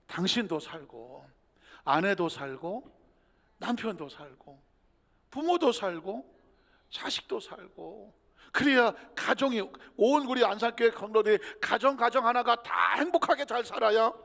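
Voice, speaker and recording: Male pastor giving a sermon, high and really lively pitch, booming church echo. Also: gravelly. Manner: animated preaching with acted-out quotes and sudden whispers. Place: church sanctuary. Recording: church hall reverb.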